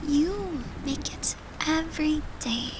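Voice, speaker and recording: A woman playing a gentle, devoted girlfriend who soothes her lover in an intimate comfort roleplay, speaking tenderly and reassuringly in a soft, hushed voice. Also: high voice, slow pace, noisy background. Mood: earnest, firm.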